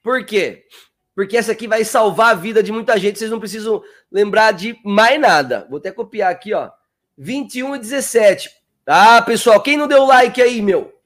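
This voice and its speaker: In a voice that sits high and sounds a bit bright, a man hosts a live-stream English lesson. He keeps things chatty and coaxing, slowly repeating words as pronunciation models and shouting out viewers' names.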